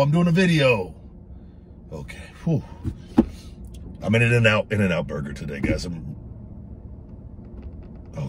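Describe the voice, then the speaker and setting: A middle-aged man sits in his parked truck and rambles through a fast-food review, cursing freely and poking fun at himself. His pitch swings widely from low mutters to sudden high bursts. Faint traffic noise from outside comes through. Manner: crude, self-mocking, rambling. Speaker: vlogger doing a food review. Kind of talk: casual profane car vlog.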